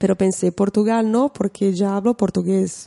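A woman with a Brazilian accent and a dark, mellow tone at a fairly slow pace, her sound dry and close with no echo, over a quiet background. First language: Portuguese (speaking Spanish). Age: 30s. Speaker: podcast guest. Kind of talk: interview.

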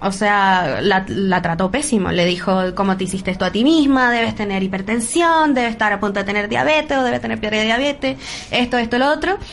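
Over noticeable background noise, a woman talks at a fairly quick pace with hardly any pauses, very wide pitch swings and very even loudness. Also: medium pitch for a woman. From Venezuela. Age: 20s. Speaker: content creator and podcaster. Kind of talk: casual chat. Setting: studio.

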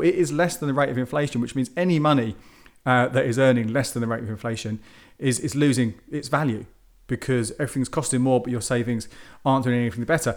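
The speaker moves at a fairly quick pace in a British accent. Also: man. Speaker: podcast host, personal finance blogger. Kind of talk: solo podcast monologue, informal explainer. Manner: fast talker; casual, conversational with filler words.

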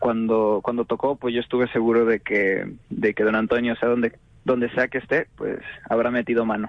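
At a moderate pace, a man speaks in a flat monotone at a medium pitch. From Mexico, Guadalajara, Jalisco. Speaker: novice bullfighter. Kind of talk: interview. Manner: halting.

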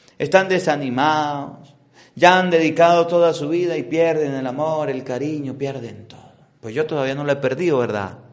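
A man speaks at a fairly high pitch with ordinary pitch variation, and audible room echo surrounds his voice. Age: 30s. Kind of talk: sermon.

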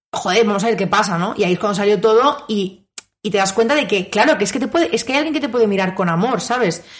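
A woman speaks at a very fast pace with lively intonation. Her voice is somewhat breathy and sits at a medium pitch. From Barcelona, Spain. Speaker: content creator and performer. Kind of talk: casual chat.

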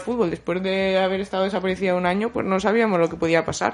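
This woman speaks at a medium pitch. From Spain, Teruel (Aragon). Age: 20s. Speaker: football coach, former professional footballer. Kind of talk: interview. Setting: studio.

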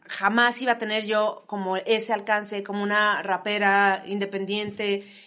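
A woman speaks at a fairly slow pace, her tone bright and sharp. The background is quiet. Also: hardly any pauses. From Mexico City, south (Tlalpan). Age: 40s. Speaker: rapper. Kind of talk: casual interview chat.

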